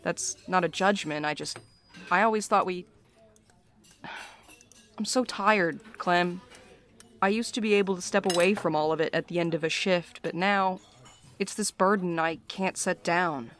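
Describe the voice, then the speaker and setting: A woman's voice: on the low side, measured pace, pauses often, fairly bright tone, a little hiss or hum. A woman playing a weary, sardonic mail carrier in a naturalistic audio drama, with a dry, guarded delivery. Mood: weary, uneasy.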